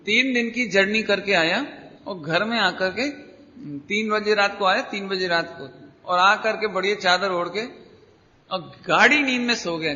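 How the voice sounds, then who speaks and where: Male preacher, high and sharply bright, emphatic teaching style with repetition, long hall reverb. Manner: emphatic, repeats key words, urges listeners to attend. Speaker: Jain preacher. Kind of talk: spiritual discourse with a story. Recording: dull lo-fi hall recording.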